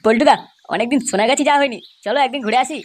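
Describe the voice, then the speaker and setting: A woman's voice: on the high side, rapid-fire, lightly acted. A woman voicing a cocky, lecherous, foul-mouthed male youth in a crude comedy cartoon, full of bragging. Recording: faintly noisy cartoon soundtrack.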